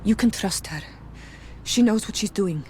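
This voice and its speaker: Actress as a slow-spoken young tribal woman. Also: medium pitch, a little mellow, a little hiss or hum, natural voice. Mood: sincere, grateful. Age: young adult. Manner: slow, formal, sincere. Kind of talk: scripted video game acting.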